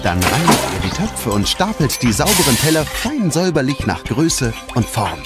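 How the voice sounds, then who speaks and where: A man tells a scripted children's story. His mid-pitched voice moves expressively up and down. Music plays clearly underneath. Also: sing-song, moderate pace. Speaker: narrator. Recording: music behind the narration.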